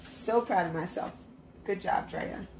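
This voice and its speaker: Her mid-range voice moves a little slowly through an echoey room, and the recording is very noisy. She's a budgeting vlogger with a congested nose, counting cash into envelopes at a table at home and chatting in an upbeat, self-encouraging way. The overhead camera shows just her hands, with the mic off-frame.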